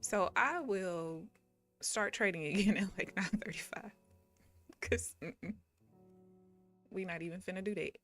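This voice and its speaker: A woman's voice: mid-range voice, measured pace, pauses often, a bit bright, soft background music. A young woman from Missouri chatting casually while she trades live, talking to her viewers and laughing often. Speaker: day trading livestreamer. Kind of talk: casual live-stream commentary.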